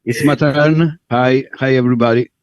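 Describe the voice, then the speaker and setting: A man from Italy with an Italian accent, asking questions on a video call in halting English full of fillers. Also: mid-range voice, steady tone, dry recording. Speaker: call participant. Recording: dry, muffled online call audio.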